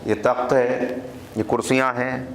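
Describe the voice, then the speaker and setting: A man preaching a sermon at a lectern mic in a prayer hall, firing off rhetorical questions and swinging between high, loud emphasis and a low hush. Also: little pitch movement, a little hiss or hum. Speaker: religious speaker. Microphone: microphone on the lectern. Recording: roomy hall with faint ambience.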